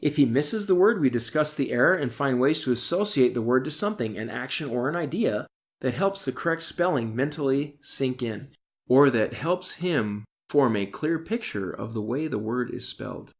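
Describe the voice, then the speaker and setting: A middle-aged man, an author, reads his self-help audiobook in a deliberate, instructional way, stressing key terms. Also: mid-range voice, lively intonation. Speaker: author reading own audiobook.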